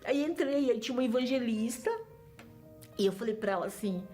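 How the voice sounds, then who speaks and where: A woman's voice: a little high, fairly quick, warm tone, faint music behind. A middle-aged Brazilian woman giving an earnest, emotional religious testimony, often repeating phrases for emphasis. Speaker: church member giving testimony.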